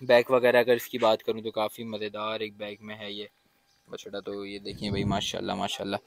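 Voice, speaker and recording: A man's voice: fairly low pitch, completely flat delivery, fairly quick, creaky, slight background noise. A young man hosting a vlog, enthusiastically showing off cattle on an outdoor farm and speaking into a handheld mic. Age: young adult. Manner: enthusiastic, repeats blessings. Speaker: vlogger host. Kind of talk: casual farm tour and interview.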